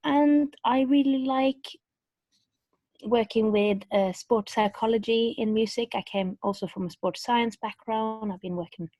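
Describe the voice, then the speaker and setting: A woman's voice: on the high side, a little slow, mellow, dry recording. A woman with a Norwegian accent, a vocal coach teaching a webinar over a video call in a chatty way with many fillers and restarts, speaking around a bitten tongue.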